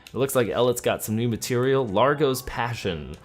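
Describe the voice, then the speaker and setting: A man's voice: medium pitch, lively intonation, moderate pace. A man doing game commentary for a let's play, reading in-game text and talking through his choices. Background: game music.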